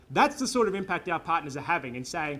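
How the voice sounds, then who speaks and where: In an Australian accent, a man speaks very fast at a high pitch. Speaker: think tank network staffer. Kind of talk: conference talk. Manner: animated.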